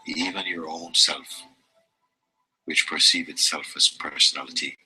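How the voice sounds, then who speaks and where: A man giving a slow, meditative reading of spiritual teachings, measured and deliberate, with long pauses. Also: very deep voice, steady tone, rough recording.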